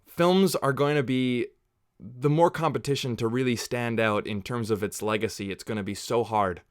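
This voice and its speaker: A man's voice: mid-range voice, normal speed, no room sound, studio quality. A man from Canada hosting a casual movie watch-along livestream, chatting and rambling off on tangents while answering viewers.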